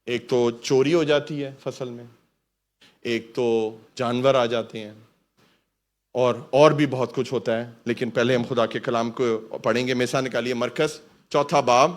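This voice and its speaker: A pastor preaches a fervent sermon in a steady, mid-range voice, often calling out "hallelujah" and asking the church to repeat after him. He mixes English words into his preaching.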